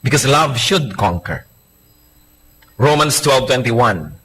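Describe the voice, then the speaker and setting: A man preaching a sermon, humorous and lively, acting out the people in his examples and mixing English phrases and Bible verses into his talk. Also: mid-range voice, takes it slowly, slight background noise, poor audio.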